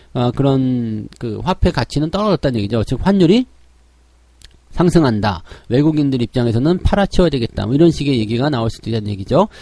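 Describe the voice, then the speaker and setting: A man with a slightly hoarse voice giving a daily stock market briefing, explaining each point step by step. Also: a little high, warm tone, no echo. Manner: explanatory, frequent "자" openers.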